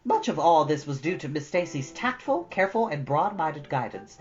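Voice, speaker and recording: A woman with a low voice narrates as a storytime host, in an audiobook style. The sound is slightly dull, with soft guitar music underneath. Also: very animated, moderate pace.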